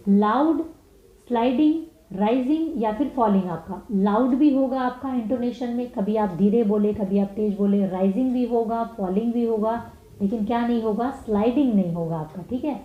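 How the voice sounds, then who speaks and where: A woman with an Indian accent, a teacher working through exam questions, reading each one out slowly and then explaining it quickly. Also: fairly high pitch. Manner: reads English slowly, explains fast in Hindi. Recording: echoey dull room sound.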